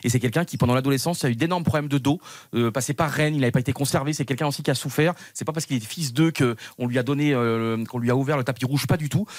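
Excitable male football pundit. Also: medium pitch, no echo, clean studio sound. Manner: excitable, nostalgic, rapid outbursts. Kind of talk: excited sports radio banter.

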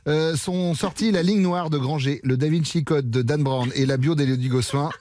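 Radio host guy, slightly high voice, jokey and laughing a lot. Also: moderate pace, a little mellow, no room sound, studio quality. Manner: playful, laughs often while talking. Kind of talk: lively radio show hosting.

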